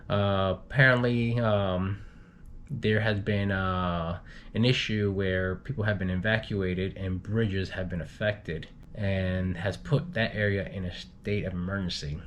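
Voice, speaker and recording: A man reading travel news in an unpolished, halting way, stumbling over and repeating words. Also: on the low side, slight background noise. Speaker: guest news reader, group moderator.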